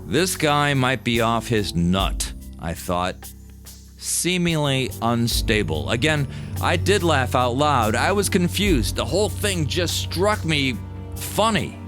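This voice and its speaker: Male memoir narrator, very expressive pitch, wry, pauses for drama; clear music bed under the read. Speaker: storyteller narrating own memoir. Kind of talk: scripted personal storytelling narration. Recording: music behind the voice.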